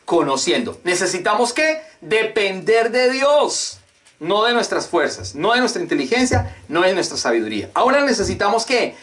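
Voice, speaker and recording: A man's voice: high voice, big pitch swings, moderate pace, fairly bright tone. A male pastor preaching a sermon with emphatic, emotional delivery, repeatedly throwing questions at his congregation. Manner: rhetorical call-and-response questions.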